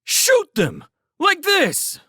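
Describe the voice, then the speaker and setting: Man playing snarling, forceful squad leader. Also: low voice, big pitch swings, measured pace, no room sound, clean studio sound, exaggerated voice. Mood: urgent shouting. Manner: snarling, urgent, commanding. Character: gruff, irritable male scout leader barking orders. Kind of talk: dramatic audiobook character acting.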